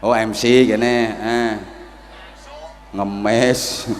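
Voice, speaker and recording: Brief: a Javanese-accented male preacher, slow and playful, at an outdoor gathering, echoing over the PA. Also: on the low side, level tone, soft background music. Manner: joking, storytelling, teasing the crowd. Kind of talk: humorous sermon. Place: outdoor field before a large crowd.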